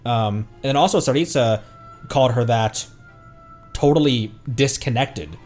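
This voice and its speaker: A man's voice: mid-range voice, a little slow, a little mellow, faint music behind. A man streaming a game with casual commentary, often stopping and restarting as he talks.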